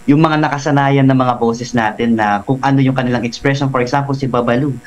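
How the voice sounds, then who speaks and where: Brief: male voice artist, middle pitch, lively guest on a radio show. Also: a little fast, lo-fi sound. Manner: animated, explains while slipping into voices. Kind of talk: casual radio interview.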